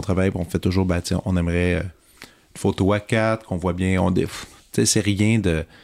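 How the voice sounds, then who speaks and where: At a moderate pace, a man uses a normal speaking voice, fairly low in pitch, with ordinary pitch variation. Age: 40s. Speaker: podcast host. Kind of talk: interview conversation.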